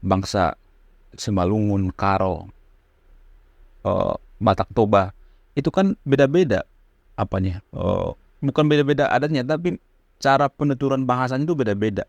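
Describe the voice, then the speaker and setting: A man's voice: fairly low pitch, moderate pace, vocal fry, pauses often, dry recording. A man giving casual, earnest spoken commentary to his viewers, repeating his points with frequent fillers. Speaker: channel host giving commentary.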